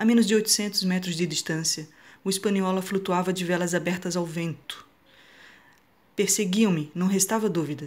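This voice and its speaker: Speech moves at a moderate tempo. It is broken by long, frequent pauses. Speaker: audiobook narrator. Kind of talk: audiobook reading aloud, first-person adventure narration. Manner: steady, measured, formal reading pace. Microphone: phone near.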